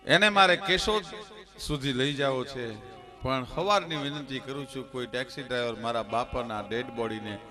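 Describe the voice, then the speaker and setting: A man's voice: medium pitch, steady tone, normal speed. Impassioned male folk storyteller with music. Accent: Saurashtra Gujarati. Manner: impassioned, rising to near-shouted climaxes. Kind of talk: Gujarati dayro folk storytelling. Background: live music accompaniment.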